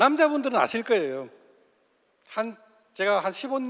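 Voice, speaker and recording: This man's voice sits at an extremely high pitch. His intonation is lively. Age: 60s. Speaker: network marketing distributor. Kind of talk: motivational seminar talk.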